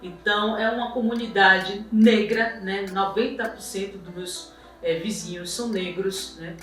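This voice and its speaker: A woman's voice: mid-range voice, fairly even intonation, unhurried. A woman with a Bahian Brazilian accent, informally telling her own story for a documentary. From Salvador, Bahia, Brazil. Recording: very echoey, distant mic, music behind.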